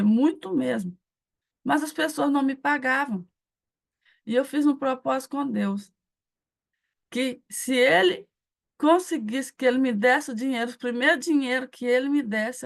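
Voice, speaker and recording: A middle-aged woman with a Brazilian Portuguese accent, preaching a testimony and acting out the dialogue in an animated storytelling manner. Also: high voice, gravelly. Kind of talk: testimony sermon.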